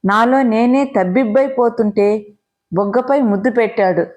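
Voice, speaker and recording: A woman with a slightly high voice reads a first-person story aloud. Her delivery is measured and reflective, as a storyteller's narration. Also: a little mellow, muffled recording.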